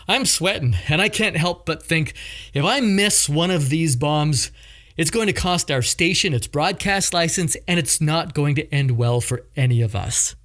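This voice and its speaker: A man's voice: fairly high pitch, unhurried, a bit bright. A man hosting a podcast, narrating a scripted story in a dramatic, emphatic way. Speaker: podcast host and coach.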